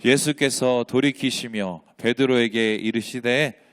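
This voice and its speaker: A man's voice: medium pitch, steady tone, a little slow, fairly bright tone, clear, resonant tone. A man, a pastor, preaching a sermon with rhetorical questions and acted-out dialogue in changing voices. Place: church sanctuary.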